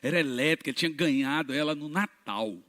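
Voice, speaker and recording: Pastor guy preaching loud, high bright voice, big echoey church. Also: fast talker. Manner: animated storytelling, shouting at peaks. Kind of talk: sermon testimony. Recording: reverberant church hall.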